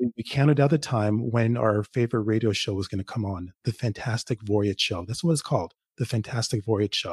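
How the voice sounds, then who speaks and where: This man talks at a fairly quick pace with hardly any pauses, his somewhat breathy voice sitting at a medium pitch with ordinary pitch variation in a dry, close sound with no echo. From Canada, Toronto (Jamaican-born). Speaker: author and podcast host. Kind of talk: casual interview chat. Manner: animated.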